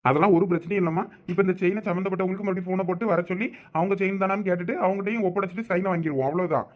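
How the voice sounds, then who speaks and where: A voice actor playing a brisk male police officer in a cartoon, reassuring and businesslike, with a Thoothukudi accent. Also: medium pitch, close to an everyday voice. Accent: Thoothukudi Tamil. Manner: reassuring, rapid-fire.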